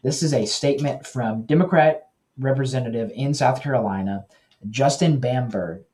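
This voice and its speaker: A man hosting a Christian news commentary show, talking earnestly and directly to his listeners, often pausing and correcting himself. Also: medium pitch, darkish tone. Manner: earnest, with self-corrections and pauses.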